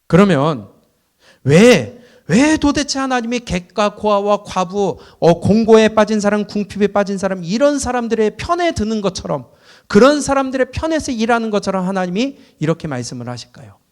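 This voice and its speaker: A middle-aged male pastor preaching a sermon in a church, firing rhetorical questions at the congregation and swinging between loud and quiet. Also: high-pitched, sing-song, moderate pace. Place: church sanctuary.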